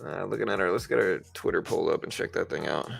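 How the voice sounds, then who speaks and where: Talking fast in a low-pitched voice with vocal fry, this man runs a laid-back market livestream. He's a stock trader who chats loosely with his audience and reasons out loud, while music plays behind him.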